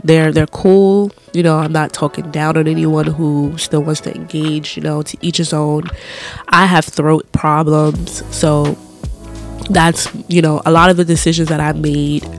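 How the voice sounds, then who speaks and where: A congested, stuffy-nosed podcast host talking through a relaxed personal monologue. The delivery rambles, candid and loose, with plenty of "um" and "like" fillers, at a middling pitch. Soft music sits faintly underneath. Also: a little slow.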